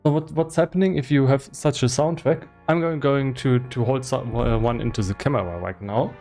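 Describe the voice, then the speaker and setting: A man talking casually and explaining on a livestream, thinking aloud in a halting way, with as his language. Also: medium pitch, fairly even intonation, a little mellow, faint music behind. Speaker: game developer streaming live. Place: indoor room with foam acoustic padding.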